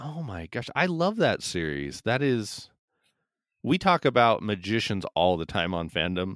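A man's fairly low voice at a fairly slow pace, with very wide pitch swings and a dry, close sound free of echo. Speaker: podcast guest and artist. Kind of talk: casual discussion.

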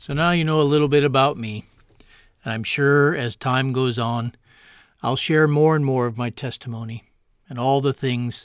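A man speaks at a moderate pace with medium pitch and fairly even intonation. The sound is dry and close with no echo, on a very clean recording with a silent background. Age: 50s. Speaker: pastor. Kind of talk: podcast monologue, devotional.

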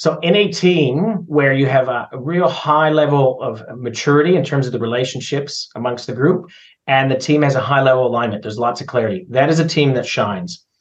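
A man with a Canadian accent talks at a fairly quick pace with hardly any pauses, his somewhat breathy voice fairly high in pitch with ordinary pitch variation. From Western Canada. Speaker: leadership consultant and author. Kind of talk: interview conversation.

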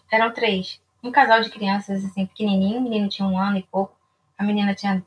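A woman speaks in an ordinary speaking voice at a fairly quick pace. Her pitch is fairly high, with ordinary variation. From Paraíba, northeast Brazil. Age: 40s. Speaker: author recounting her adoption story. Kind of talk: personal testimony interview.

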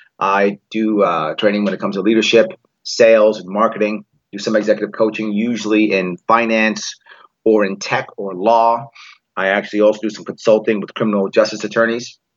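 Fairly quick and fairly low-pitched, a man speaks with a New York accent and big swings in loudness. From New York City (Bronx, Long Island). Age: 50s. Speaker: political candidate. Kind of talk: interview. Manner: animated.

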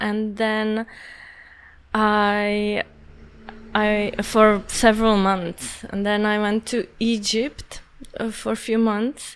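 At a very slow pace, the speaker talks with a Czech accent. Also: woman. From Prague, Czech Republic. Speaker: installation artist. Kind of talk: casual interview. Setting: artist's studio.

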